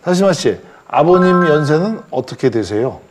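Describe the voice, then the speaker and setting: A man's voice: on the high side, lively intonation, music in the background. Patient man teaching a language class. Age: 40s. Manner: patient, explains slowly with many restarts. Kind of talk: classroom instruction.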